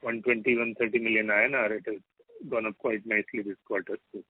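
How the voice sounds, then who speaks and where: A man's voice: lowish voice, little pitch movement, fast, slightly rough, no room sound. A man, an analyst caller asking questions on an earnings call in a hesitant way. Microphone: telephone. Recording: tinny, dry phone line.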